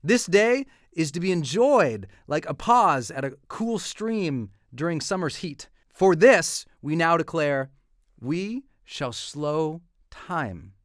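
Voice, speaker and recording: Higher-pitched man, earnest motivational reading. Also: expressive, takes it slowly, no echo, studio quality. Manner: earnest, declamatory oratory. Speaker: narrator.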